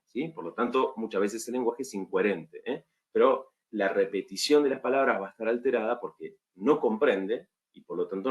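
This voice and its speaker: A man's voice: fairly low pitch, a little mellow. A man with an Argentine Spanish accent giving a recorded online lecture to medical students, often checking in with tag questions.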